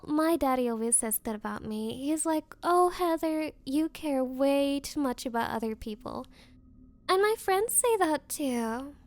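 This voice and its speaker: A bratty young rich girl, acted by a woman speaks in a high voice at a slow, drawn-out pace. She is coy, haughty and defensive about her crush, in the style of an anime ASMR roleplay, recorded dry and close. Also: no echo. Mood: mock offended. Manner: coy, haughty, hesitant valley-girl phrasing. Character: bratty spoiled rich girl, possessive, smitten but defensive.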